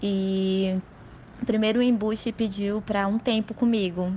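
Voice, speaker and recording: Somewhat breathy, the woman's voice keeps fairly even intonation. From Fortaleza, northeast Brazil. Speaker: listener. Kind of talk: voice message.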